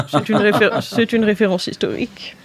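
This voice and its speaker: A woman's voice: medium pitch, normal speed, a little hiss or hum. Woman game master telling an improv rpg story, chatty n jokey, stops to find her words. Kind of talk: improvised tabletop fiction narration, casual.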